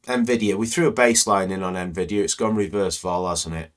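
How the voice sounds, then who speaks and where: A trading educator hosts a live stream, giving market screening commentary as he walks through charts. His very low, deep voice is croaky and a bit hoarse, steady in tone and fairly quick. He rambles conversationally, filling gaps with lots of "you know."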